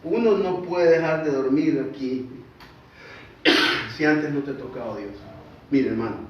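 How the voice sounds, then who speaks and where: Pastor preaching in an echoey hall. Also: male voice, medium pitch, measured pace, background noise. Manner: conversational preaching, asks the congregation questions. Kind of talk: sermon. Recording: distant echoey hall, dull sound.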